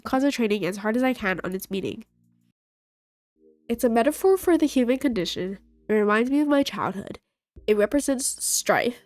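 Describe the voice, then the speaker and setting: A young woman who hosts gaming videos plays a dating game, playfully reading it aloud and voicing every character in her own voice. Her voice sits on the high side, a little mellow, and she's stuffy-nosed from a cold. There's no echo, just faint game music behind her.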